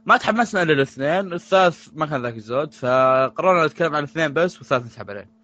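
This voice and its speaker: A man's voice: fairly high pitch, expressive, racing, sharp tone, lo-fi sound. A man co-hosting a casual podcast, rambling and restarting his sentences often. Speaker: podcast co-host.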